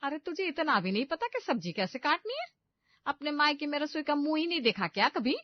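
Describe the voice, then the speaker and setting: A woman voicing a strict, shouting middle-aged mother-in-law who scolds loudly and sharply in a cartoon. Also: on the high side, steady tone, brisk, dry recording, lightly acted. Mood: scolding. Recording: dull lo-fi dry recording.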